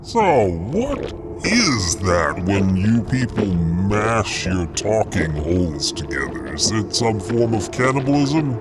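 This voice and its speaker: A man's voice: fairly low pitch, big pitch swings, takes it slowly, music in the background. A man playing a baffled outsider in an audio drama, bluntly inquisitive about human customs. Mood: baffled curiosity.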